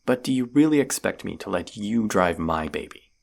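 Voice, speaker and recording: A man's voice: fairly low pitch, lively intonation, normal speed, vocal fry. A man playing a stubborn, injured vampire hunter in an audio drama, grumbling sarcastic banter. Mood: grudging, exasperated. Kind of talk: scripted roleplay audio drama.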